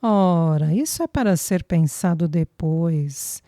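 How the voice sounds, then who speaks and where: A stern old Italian father, blunt and then humble, dropping words from his home tongue, as a woman narrator plays him. His delivery is slow and the tone dark and mellow. It is an audiobook dialogue role. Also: on the low side, lively intonation, no room sound, clean studio sound. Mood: humble, firm. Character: older Italian immigrant father, stern but repentant.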